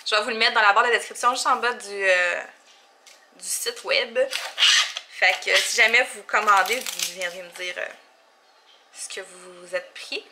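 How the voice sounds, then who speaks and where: A young woman vlogger with a Québécois French accent and medium-pitched voice chats casually, laughing often and filling pauses, against a noisy background.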